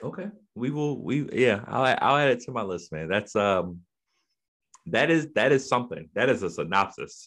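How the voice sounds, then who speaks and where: A man with an American accent speaks at a moderate pace with a medium pitch and vocal fry. His pitch swings very widely against a quiet background. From Eastern Shore, US. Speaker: podcast host. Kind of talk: casual chat.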